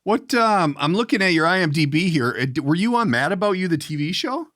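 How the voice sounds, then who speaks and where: A man hosts a casual interview. His pitch moves around in a lively, animated way as he puts questions loosely and informally, with colloquial phrasing. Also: fairly quick. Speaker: podcast host, interviewer.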